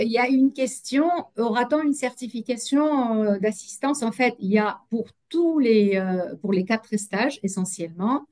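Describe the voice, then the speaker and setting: A woman's voice: medium pitch, a little mellow. A woman moderating an online webinar, reading out audience questions with frequent hesitations. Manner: hesitant, many fillers.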